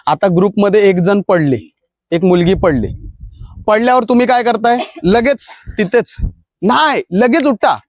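A man coaching a group of women runners outdoors, speaking firmly as he lectures them on how to run, shout and recover. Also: high-pitched, dry recording, studio quality. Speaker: police recruitment fitness coach.

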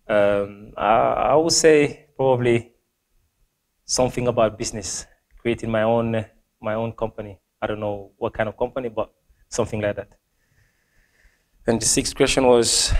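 A young man from Gambia, a football player, reads out fan questions and answers them with many pauses, fillers and restarts. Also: mid-range voice. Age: young adult. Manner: hesitant, many ums and restarts. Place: small plain indoor room.

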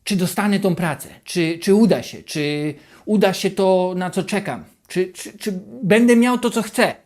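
A self-help channel host giving a motivational talk to the viewer, animated and repetitive, dropping into a hushed, anxious voice to act out inner thoughts. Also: medium pitch, measured pace. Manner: repeats and rephrases questions over and over.

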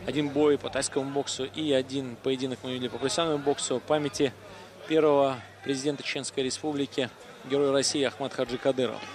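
A man's voice: mid-range voice, level tone, quick pace. A man giving live kickboxing commentary as a sports commentator. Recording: noisy arena crowd behind the voice. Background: arena crowd and noise.

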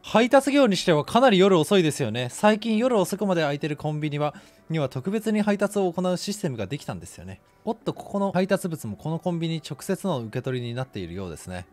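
A man's voice: fairly high pitch, big pitch swings, quick pace, few pauses, a little mellow, faint music behind. A man voicing an overly polite, shady delivery man from a horror game, formal and explanatory. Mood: stiffly polite.

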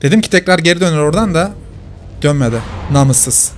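A man's voice: a little high, expressive, quick pace, faint music behind. A man commenting live on his own gameplay, teasing the players he hunts.

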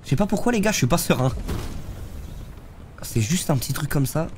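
A man's voice: fairly high pitch, expressive, fairly quick, a little hiss or hum. A young man, streaming a game live and chatting loosely with viewers in slangy talk while congested with a head cold. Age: young adult. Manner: slangy, loose, talks to chat while playing. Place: streaming room, seated in a gaming chair.

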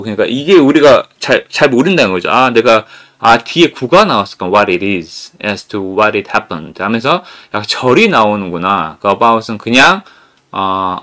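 A man giving a casual lecture on learning English, often restarting words and reading example sentences slowly. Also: mid-range voice. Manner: animated, reads English sentences aloud slowly and deliberately; frequent stammered restarts. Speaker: English learning channel host.

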